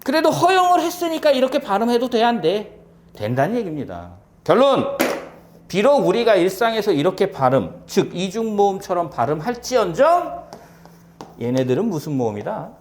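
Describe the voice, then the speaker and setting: A male lecturer with a fairly high voice that swoops up and down as he teaches. He keeps asking rhetorical questions and answering them himself, and he repeats key points for emphasis. At the ends of phrases he often drops into a quiet aside. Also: very animated, moderate pace, a little hiss or hum. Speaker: civil service exam Korean lecturer.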